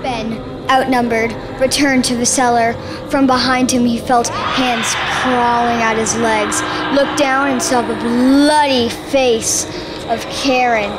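A woman's voice: a little high, steady tone, slow pace, very noisy. A woman reading scripted narration for a radio play on stage. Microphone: stand microphone. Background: music.

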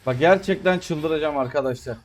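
A man's voice: fairly high pitch, normal speed. Exasperated man commentating his game. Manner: exasperated, complaining about teammates. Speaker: gamer streamer. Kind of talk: live gameplay commentary.

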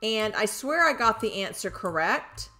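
Slow, lively older woman gamer. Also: mid-range voice, faint music behind. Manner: thinks aloud, bursts into excited squeals. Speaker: game streamer. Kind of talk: live gameplay commentary.

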